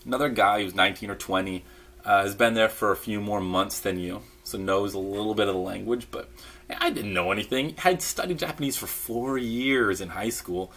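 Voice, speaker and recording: A man with a low, slightly husky voice talks to camera at home in a loose, rambling way. He trails off, restarts his sentences and fills gaps with ums while nursing a beer. The tone is easygoing and conversational throughout. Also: brisk. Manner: relaxed, chatty, many fillers and restarts, sipping beer. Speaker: vlogger recalling mission in Japan. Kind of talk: casual rambling monologue to camera. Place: indoors at home, in pajamas.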